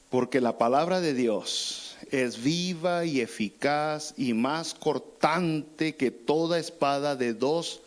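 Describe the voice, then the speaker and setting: A pastor preaching a sermon, casual and conversational, with colloquial asides. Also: male voice, a little high. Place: church.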